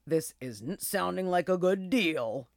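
A woman voicing a weary, toothless old male dog in a children's storybook, slow, sighing and grumbling. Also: lowish voice, lively intonation, creaky, dry recording, heavily acted. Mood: suspicious, grumbling.

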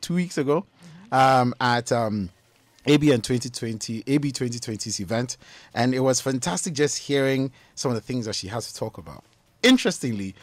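Lively radio host. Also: male voice, mid-range voice, no room sound. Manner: energetic, playful, rhetorical questions. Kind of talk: upbeat talk show hosting. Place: radio studio. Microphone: studio mic.

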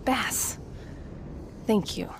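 A woman playing a mild, bashful but self-assured counselor in an audio drama, speaking with halting hesitation. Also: background noise. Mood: wry, composed.

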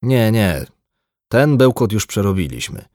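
A man voicing a blunt, embittered, drunk male doctor in an audiobook, gruff and lecturing. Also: fairly low pitch, very animated, a little slow, a little mellow, dry recording, clean studio sound. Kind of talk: audiobook dialogue.

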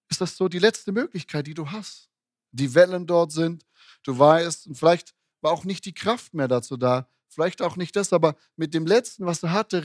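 A male pastor delivers a sermon in a loose, conversational way, often restarting his sentences and checking in with short tag questions. His voice sits a little high for a man. The sound is close and dry, with almost no room around it. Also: no room sound.

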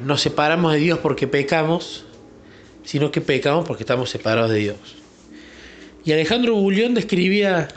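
A man giving an earnest, reflective personal faith testimony, sometimes pausing to search for words. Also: a little high. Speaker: church member giving testimony.

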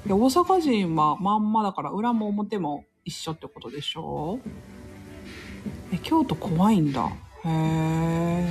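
A woman's voice: on the low side, lively intonation, unhurried, soft background music. Chatty, laughing woman hosting a live stream. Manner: chatty, laughs often, reads comments aloud. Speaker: livestream host reading listener comments. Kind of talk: casual live-stream chat.

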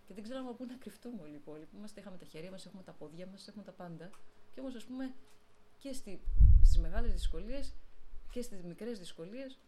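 Speaking as a guest, this middle-aged abbess shares faith through off-the-cuff stories from her own life, acting out the voices of the people involved. She has a mid-range voice with lively intonation, and background noise can be heard.

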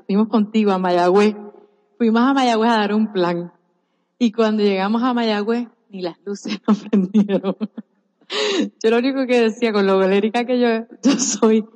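A woman giving a personal testimony on stage at a business seminar, telling her story in a lively way with laughter. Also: medium pitch, muffled recording. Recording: echoey large hall.

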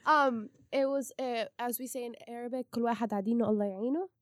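A young woman from Palestine talking as a guest on a casual podcast. She speaks in a relaxed, easygoing way. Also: fairly high pitch, racing, no echo, clean studio sound.

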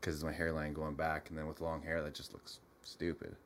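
A man's voice: rumbling low, monotone, normal speed, a little hiss or hum. A man in his thirties talking in a casual podcast chat, dry and matter-of-fact. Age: 30s.

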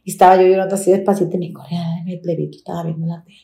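A woman's voice: on the low side, racing, creaky. A Mexican woman, a domestic worker, telling her story in an interview and acting out the dialogue as she goes. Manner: animated retelling, acts out quoted dialogue. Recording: roomy echo.

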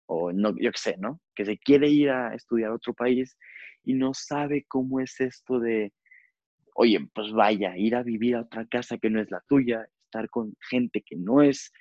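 A man's voice: mid-range voice, a little slow, a little mellow, dry recording. A young man with a Mexican accent hosts a casual podcast. He rambles along with plenty of fillers. The recording is dry and a little muffled. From Zacatecas, Mexico. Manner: chatty, rambling with many fillers. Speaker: podcast host. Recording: dull, lo-fi.

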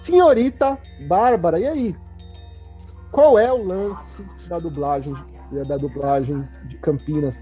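A woman's voice: lowish voice, takes it slowly, slightly rough. A woman hosting a casual livestream chat in Brazilian Portuguese, reading viewer comments aloud and putting questions to her co-hosts. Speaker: host. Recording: dull lo-fi stream audio with faint music.

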